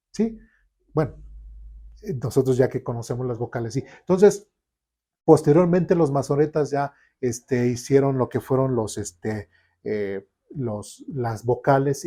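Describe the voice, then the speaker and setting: Mellow-voiced man teaching a Bible class, chatty and asking the class if they follow. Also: mid-range voice. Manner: conversational, checks in with the class often. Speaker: Sunday school teacher. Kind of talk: informal Bible class lecture. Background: class recorded in a church room.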